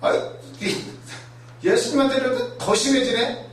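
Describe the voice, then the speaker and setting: A man with a fairly high voice delivers an animated sermon, slipping into voices and asides as he goes. He is recorded from a distance in a very echoey hall. Faint noise sits underneath. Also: moderate pace. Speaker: pastor.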